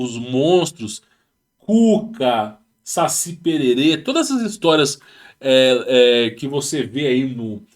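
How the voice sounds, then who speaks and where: A man with a Brazilian Portuguese accent hosting his channel, reading a text aloud and breaking off into rambling, slangy asides with many restarts. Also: mid-range voice. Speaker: channel host. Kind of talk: casual talk reading and commenting on a text. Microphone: home setup with rural internet.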